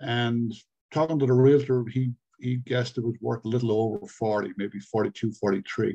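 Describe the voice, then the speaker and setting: Over a quiet background, a man speaks at a moderate pace in a dark, mellow tone with fairly even intonation. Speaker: beginner land investor. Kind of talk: casual chat. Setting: video call. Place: home room. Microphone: video call.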